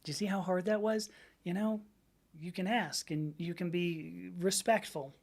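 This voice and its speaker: A woman's voice: on the low side, steady tone, moderate pace, a little mellow. A woman in her fifties hosting a livestream, chatting casually in a rambling way, laughing often and reading out viewers' comments. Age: 50s. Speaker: livestream host.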